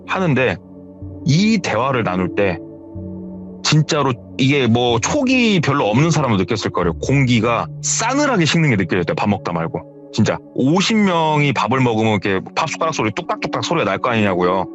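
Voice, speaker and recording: A man with a mid-range voice retells a listener's horror story fairly quickly, animatedly acting out the dialogue. The audio sounds dull, with music in the background.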